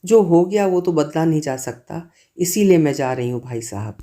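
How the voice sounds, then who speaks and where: A woman's voice: deep voice, expressive, moderate pace, dark tone. A man voicing a troubled young woman in a storybook reading, pleading and then firm in her choice. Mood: defiant.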